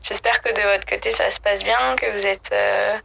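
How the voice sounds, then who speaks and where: A woman leaving a casual personal voicemail, talking hesitantly with many pauses and fillers. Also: medium pitch, fairly even intonation, gravelly, pushed and bright, husky. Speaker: listener leaving a voice message.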